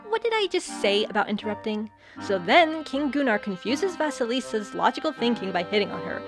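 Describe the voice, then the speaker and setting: Breezy theatrical schoolgirl, female actor, audio comedy. High, very animated, slangy and chatty, music underneath. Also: brisk. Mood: breezy storytelling. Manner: chatty, slangy, dramatic storytelling. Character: breezy, theatrical teenage girl student, loves acting. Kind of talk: audio drama comedy acting.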